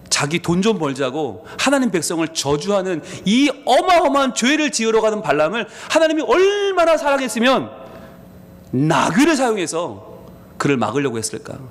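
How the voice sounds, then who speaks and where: A male pastor preaching a sermon, telling the story with animation and asking the congregation questions, in a church. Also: sits high. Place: church sanctuary. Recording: long hall reverb.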